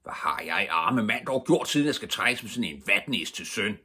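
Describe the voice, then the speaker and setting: A hot-tempered father bellows and barks, his voice pushed well above the reader's own low register, as an older man reads him aloud. There is a husky, breathy grain under the shouting. It is a storybook character with a short fuse. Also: lively intonation, heavily acted. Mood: angry shouting. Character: loud blustering middle-aged father, short-tempered.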